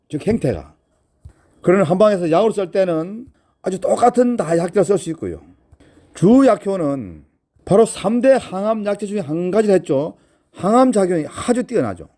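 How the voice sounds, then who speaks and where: Man lecturing lively on medicinal herbs. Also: high-pitched. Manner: rhetorical questions, addresses viewers directly. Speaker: herbal medicine channel host. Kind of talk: explanatory lecture to viewers.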